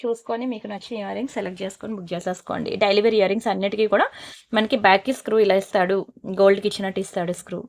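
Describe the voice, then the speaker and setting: Fast-talking woman selling jewellery. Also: mid-range voice, fairly even intonation. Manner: brisk, persuasive, scolding asides. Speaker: jewellery seller. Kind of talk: live sales pitch.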